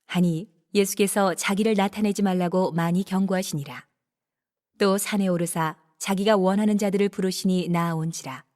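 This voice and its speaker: A woman narrating scripture in a steady, even scripted reading. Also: medium pitch, moderate pace.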